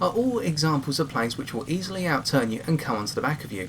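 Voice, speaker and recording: A man's fairly rapid speech comes through noticeable background noise. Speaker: gaming commentator. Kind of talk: game review commentary.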